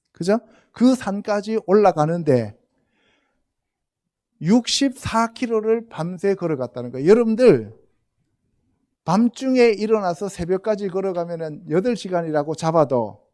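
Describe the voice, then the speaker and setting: A man's voice: high-pitched, mellow. A man preaching a Sunday sermon as pastor, often asking the congregation rhetorical questions and calling on them directly. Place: church sanctuary.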